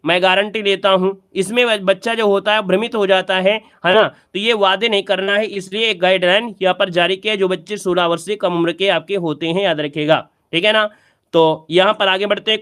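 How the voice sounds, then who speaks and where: Male exam-prep teacher, high-pitched, repetitive quizzing delivery. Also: fairly bright tone. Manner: repetitive, quizzing the viewer and repeating key answers. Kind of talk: exam practice lesson.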